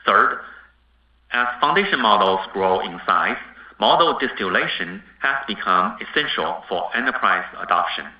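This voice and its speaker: Roomy muffled conference-call recording, male executive, lowish voice, formal scripted delivery, measured. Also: lively intonation. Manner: formal, measured reading from prepared remarks. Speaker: company executive. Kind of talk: scripted earnings call presentation. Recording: dull, roomy, distant conference-call audio.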